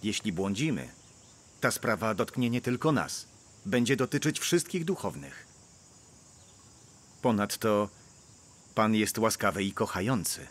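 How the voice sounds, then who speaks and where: A man's voice: fairly low pitch, measured pace, pauses often. A middle-aged man dubbing the role of a scheming church elder, speaking persuasively in a film. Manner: persuasive, reassuring, lively intonation. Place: outdoors in a park, then indoors at a church meeting.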